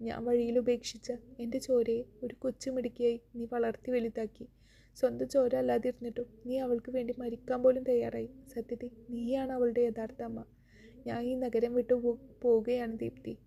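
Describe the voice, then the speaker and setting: A remorseful woman who speaks calmly and reflectively, as a woman voices her in a story. The delivery is very even, with little rise and fall. The tone is dark-mellow and husky. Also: fairly high pitch, brisk, highs cut off. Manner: calm and reflective. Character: remorseful woman, calm and resigned.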